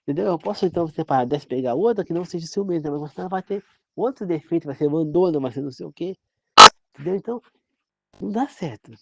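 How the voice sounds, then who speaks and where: A man's voice: a little high, lively intonation, fast talker, gravelly, background noise. A man from Brazil giving an informal, rambling sermon-style talk as a preacher, often checking "entendeu?" with his listeners. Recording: dull, dry, lo-fi sound.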